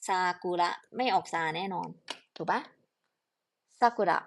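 A woman's voice: on the low side, moderate pace, vocal fry, a little hiss or hum. A woman teaching Japanese pronunciation in a casual, playful lesson, quizzing her listeners as she goes.

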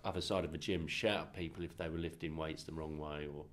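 Deep-voiced congested man. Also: fairly even intonation, quick pace. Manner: rambling, many restarts and laughs. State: congested from a cold. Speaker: filmmaker being interviewed. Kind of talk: casual press interview. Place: festival press room, indoors. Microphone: handheld mic held by interviewer.

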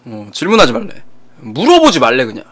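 A young man streamer casually telling a story to his viewers, animated and profane, repeating himself often. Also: medium pitch, fairly quick. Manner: animated, repetitive, profane retelling.

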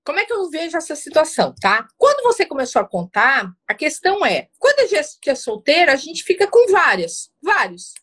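High-voiced assertive woman coach. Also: wildly swooping pitch, brisk, few pauses, fairly bright tone. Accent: Brazilian Portuguese. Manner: assertive, often adds "tá?" checks. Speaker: relationship coach host. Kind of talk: advice talk with a caller.

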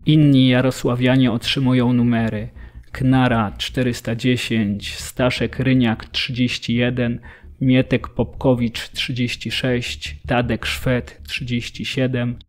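A man acts a matter-of-fact prisoner in a radio play. His medium-pitched voice stays flat and unemotional as he recounts what he saw. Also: slow pace, natural voice. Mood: factual recollection. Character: matter-of-fact male camp prisoner recalling registration. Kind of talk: radio drama memoir narration.

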